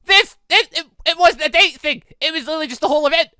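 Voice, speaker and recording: A let's player giving casual, rambling game commentary in an excitable manner. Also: sits high, fast, dry recording, clean studio sound. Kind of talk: casual gameplay commentary, reading dialogue aloud.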